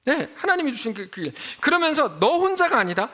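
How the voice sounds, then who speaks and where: Animated high-voiced man preaching. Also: fairly quick. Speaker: pastor. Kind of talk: sermon.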